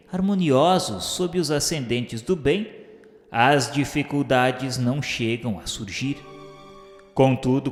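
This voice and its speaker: A man narrating a radio drama in the first person, formal and reverent in tone, also speaking his own lines to a mentor. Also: medium pitch. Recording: roomy, reverberant hall sound with music.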